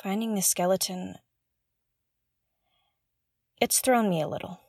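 A woman's voice: mid-range voice, measured pace, darkish tone, breathy edge, dry recording, clean studio sound. A woman playing a nervous, curious young investigator on a derelict spaceship in an audio drama, talking hesitantly and earnestly. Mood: anxious, earnest. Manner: hesitant, self-correcting, chatty and earnest. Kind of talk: audio drama, confessional log to listeners.

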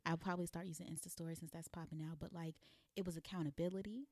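Candid young woman with a gravelly low voice. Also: fast talker, no room sound, clean studio sound. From American South. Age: 20s. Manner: relaxed, candid, lots of "like" fillers. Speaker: guest blogger and content creator. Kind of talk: casual chat.

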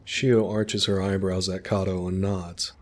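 Deep-voiced man narrating a story. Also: flat delivery, a little slow.

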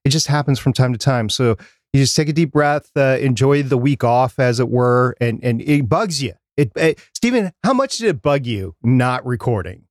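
A man's voice: medium pitch, expressive, moderate pace, dry recording, clean studio sound. A middle-aged man co-hosting a podcast about podcasting, chatting casually and rambling with frequent restarts. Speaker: podcast co-host.

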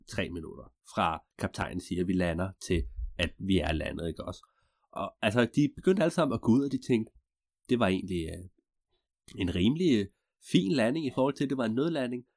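A man telling an improvised story in a rambling, digressive way with deadpan asides. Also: fairly low pitch, no room sound, clean studio sound.

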